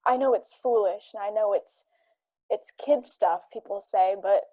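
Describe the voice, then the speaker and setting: Mellow, earnest woman actor in radio drama. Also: mid-range voice, measured pace, close to an everyday voice. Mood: worried, rambling. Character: friendly young woman, anxious client of a detective. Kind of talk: radio drama acting, conversational.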